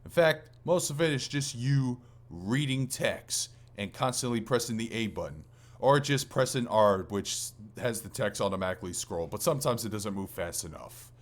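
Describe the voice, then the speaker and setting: A man's voice: mid-range voice, lively intonation, normal speed. A man co-hosting a podcast, chatting casually about video games in a rambling, conversational way. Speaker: podcast co-host.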